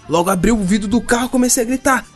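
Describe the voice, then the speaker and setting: A man's voice: very high voice, fast, faint music behind. A young Brazilian man, telling a story in a casual, swearing chat and acting out the other people in it. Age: young adult. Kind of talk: casual chat, animated anecdote with slang and swearing.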